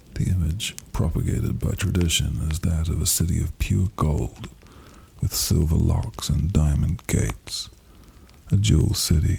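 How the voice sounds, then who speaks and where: A man talks fairly slowly in a very deep, low pitch with ordinary pitch variation. Noticeable background noise sits behind him. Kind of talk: sleep story. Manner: soft-spoken, slow.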